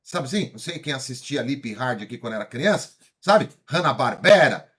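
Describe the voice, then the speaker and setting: A man in his fifties from São Paulo with a paulistano accent, giving an energetic motivational lecture and asking his audience questions. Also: medium pitch, normal speed, husky. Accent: Paulistano Brazilian Portuguese. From São Paulo, Brazil. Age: 50s. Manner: energetic, asks the audience questions, frequent tag questions. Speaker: speaker.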